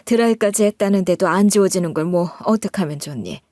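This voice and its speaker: A woman voicing a sharp-tongued older mother-in-law who talks in a scolding, condescending way. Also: lowish voice, a little fast, no echo, clean studio sound, close to an everyday voice.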